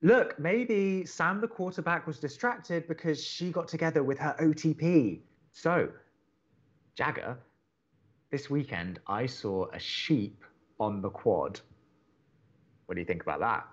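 An actor playing an earnest, awkward young college radio co-host in a romantic comedy podcast, hesitant and stammering. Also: male voice, a little high, unhurried, muffled recording. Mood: anxious, reassuring. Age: young adult.

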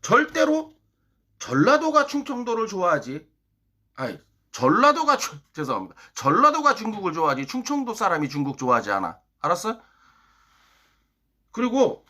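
A man from Chungcheong, South Korea, rants a political monologue to his viewers. His pitch swings up and down as he hectors and fires off one rhetorical question after another. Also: pushed and bright. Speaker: political YouTuber.

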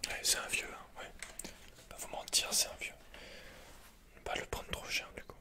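A young man playing a guarded computer repairman and hacker in a halting, breathy whispered ASMR roleplay. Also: lightly acted. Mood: reserved, matter-of-fact. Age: young adult. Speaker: ASMR creator. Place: small indoor set, dark backdrop.

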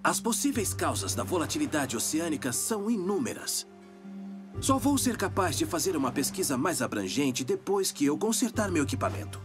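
An actor playing a polite, pedantic inventor and scientist in a cartoon dub. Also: male voice, fairly high pitch, sing-song, moderate pace. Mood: earnest, explanatory. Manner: pedantic, articulate. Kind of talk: animated series dub acting. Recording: music under the voice.

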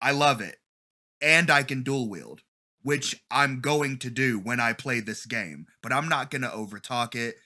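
A man in his thirties giving casual, slangy, excited reaction commentary into a desk mic at home. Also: mid-range voice, unhurried. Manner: enthusiastic, slangy, exclaiming. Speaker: host of a trailer reaction channel. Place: small bedroom at home. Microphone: desk condenser mic with pop filter.

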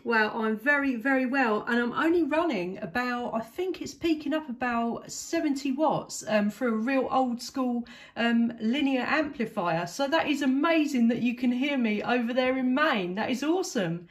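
A woman's voice: fairly high pitch, moderate pace, hardly any pauses. A woman chatting casually and enthusiastically as a CB radio operator. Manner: enthusiastic, effusive. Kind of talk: casual radio contact chat. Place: indoors at a home radio set.

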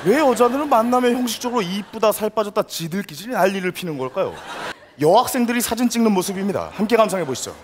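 A man's voice: sits high, sing-song, fast. A man narrating a sketch comedy segment in a mock-serious tone, asking rhetorical questions with laughing asides. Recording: live studio stage with audience and noise. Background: audience crowd.

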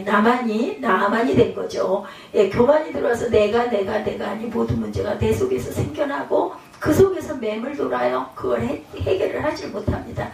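A woman pastor preaching a sermon in a lively, dramatic way, often acting out the voices she quotes. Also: fairly high pitch. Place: church sanctuary. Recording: echoey church hall, mic at a distance.

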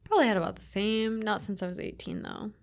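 A woman's voice: medium pitch, gravelly. A young woman with a mid-range voice co-hosts a casual podcast. She teases her partner playfully and slips into frank personal memories. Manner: playful teasing, quick banter. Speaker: podcast co-host. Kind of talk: casual chat.

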